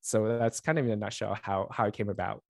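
A man's voice: on the low side, fairly even intonation, fast talker, gravelly, no room sound. A man in his forties who grew up in Taiwan, a native Chinese speaker, chatting as an interview guest in a friendly, rambling way with many fillers and restarts, talking over a remote call. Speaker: guest, network engineer and author. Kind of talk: casual interview chat.

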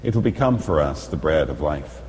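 A man speaking as a priest at Mass, reciting solemn liturgical prayers in a formal, measured way, at times chanting, in an echoing church. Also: very deep voice, very animated, a little mellow. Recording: echoey church, long reverb, background noise.

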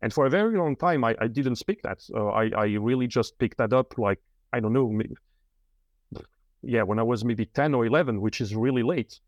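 A man's voice: medium pitch, moderate pace, no echo, dull audio. A man, a guest in an interview, talking casually and thoughtfully with frequent fillers and restarts.

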